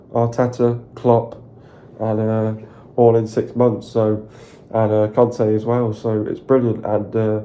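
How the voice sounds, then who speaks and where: Man, hoarse sore throat, very dark tone, flat delivery, rambling football chat with many fillers. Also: mid-range voice, slight background noise. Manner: repetitive, filler-heavy, excited rambling. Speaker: football fan channel host. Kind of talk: casual solo video commentary.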